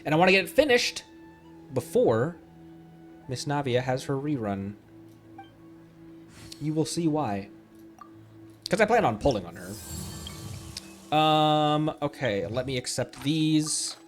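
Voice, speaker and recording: A young man talking casually through a game stream, wandering between thoughts and tossing out puns with frequent laughter. His pitch bounces around animatedly. Soft game music plays quietly behind him. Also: sing-song, takes it slowly, pauses often. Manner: rambling, punning, laughs often. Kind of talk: casual gaming livestream chat.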